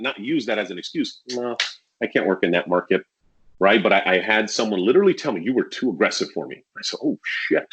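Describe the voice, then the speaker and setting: A man talking candidly as a guest on a casual podcast, acting out sales pitches as he tells stories. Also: breathy edge, lo-fi sound. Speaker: podcast guest, real estate agent.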